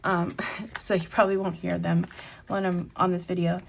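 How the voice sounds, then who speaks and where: A young woman budgeting out loud in a relaxed vlog voice-over, chatty and full of fillers, a little congested from a lingering cough. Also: lowish voice, moderate pace, vocal fry, a little hiss or hum. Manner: chatty, thinks aloud with many fillers. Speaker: budgeting vlogger. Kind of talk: casual voice-over while cash stuffing.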